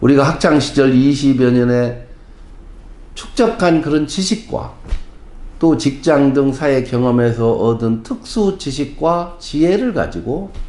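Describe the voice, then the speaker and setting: Very slow delivery with audible room echo. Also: man. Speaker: retiree lecturer. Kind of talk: lecture.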